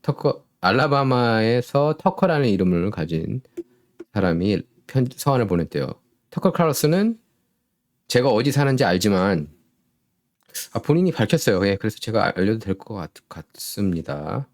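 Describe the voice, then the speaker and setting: A man's voice: fairly low pitch, sing-song, moderate pace, darkish tone. A man hosting a solo political commentary show, sarcastic and full of rhetorical questions.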